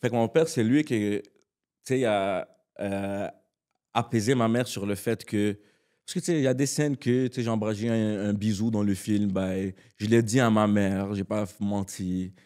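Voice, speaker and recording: A man's voice: on the low side, normal speed. A man, a comedian and actor, telling stories as a podcast guest in slangy speech that slips into English. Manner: animated, slangy, mixes in English. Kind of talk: casual storytelling in conversation.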